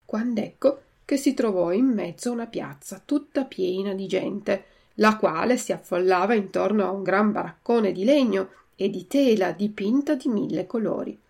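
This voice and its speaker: A woman teacher reading a story aloud slowly, giving different voices to the characters, then going through a word glossary. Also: medium pitch, vocal fry, darkish tone, husky.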